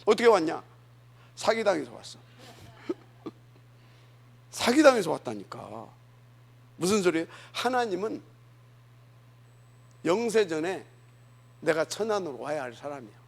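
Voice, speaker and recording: A man's voice: on the high side, very animated, measured pace, gravelly, pauses often. A male pastor from Jeolla preaching a sermon in a church, talking conversationally and often asking the congregation rhetorical questions. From Jeolla, South Korea. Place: church sanctuary.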